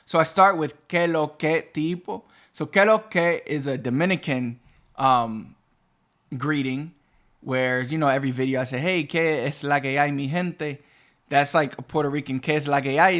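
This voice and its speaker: Man teaching spanish to camera, chatty, wanders off topic, mid pitch. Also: moderate pace, fairly bright tone. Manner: chatty, digressive, restarts phrases. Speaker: Spanish teacher and channel host. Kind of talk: explaining a language lesson to camera.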